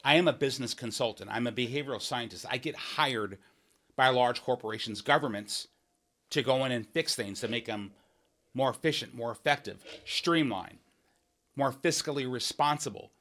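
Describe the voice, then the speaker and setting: A man's voice: mid-range voice, normal speed, fairly bright tone. A man running for office, talking through his policy plans in a podcast monologue. He speaks earnestly and emphatically, restarting phrases and tossing in "right?" asides. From Washington State. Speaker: political candidate hosting a podcast.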